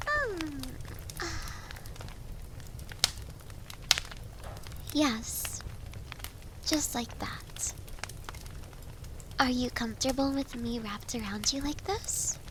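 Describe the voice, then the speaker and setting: A woman playing a gentle, affectionate young mistress in an intimate roleplay audio, speaking softly, reassuringly and a little hesitantly to her automaton companion, sometimes breathily. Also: high-pitched, expressive, slow pace, long pauses, noisy background. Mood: shy, tender. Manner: tender, reassuring, hesitant, drifting into breathy whispers.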